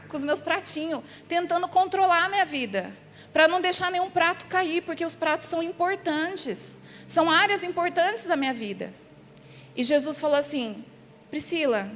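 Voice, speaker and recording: A Brazilian woman pastor preaching a sermon and telling a personal story, animated and acting out the scenes and dialogue as she goes. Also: extremely high pitch, a little hiss or hum. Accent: Brazilian Portuguese. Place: large church hall. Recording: music under a long hall reverb.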